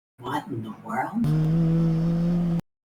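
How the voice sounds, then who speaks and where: A man's put-on character voice, pitched high. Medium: actual play. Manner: matter-of-fact, businesslike.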